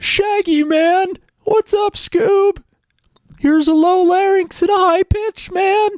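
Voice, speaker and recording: A man's put-on character voice at an extremely high pitch and a fairly slow pace. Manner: casual, relaxed.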